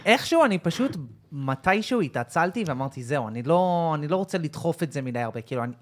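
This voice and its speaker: A man's voice: on the high side, lively intonation. A man in his thirties with an American accent, a podcast guest chatting casually in a rambling way full of fillers. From United States. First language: English. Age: 30s. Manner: laid-back, rambling with many fillers. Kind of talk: casual chat.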